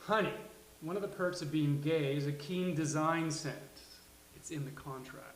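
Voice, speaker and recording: A man's voice: fairly high pitch, normal speed, close to an everyday voice. A man reading a witty, coaxing gay best friend in a live sitcom table read. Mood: wry. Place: live venue with studio audience. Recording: roomy live venue, faint hiss.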